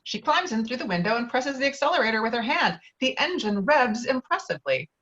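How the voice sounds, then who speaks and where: A woman's voice: on the high side, big pitch swings, a little fast, fairly bright tone, lo-fi sound. A woman narrating stage directions in an amateur script table read over a video call.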